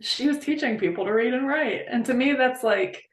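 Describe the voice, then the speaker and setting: A woman's voice: on the high side, normal speed, echoey room. A woman from West Virginia, talking as a guest in a casual interview, heartfelt and rambling, with many fillers. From Appalachia, West Virginia.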